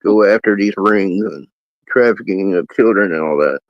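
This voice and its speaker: A man's voice: sits low, moderate pace, no echo. A man co-hosting a casual chat, speaking bluntly and plainly with firm opinions. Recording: dull lo-fi dry sound.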